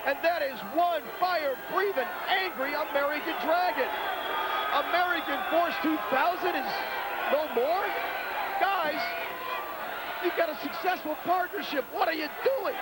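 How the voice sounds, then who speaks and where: A man giving excitable play-by-play commentary on a wrestling match, often shouting over the action, heard from a worn VHS tape copy. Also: very high-pitched, a little slow, very noisy. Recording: worn VHS tape, loud arena crowd. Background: loud cheering wrestling crowd.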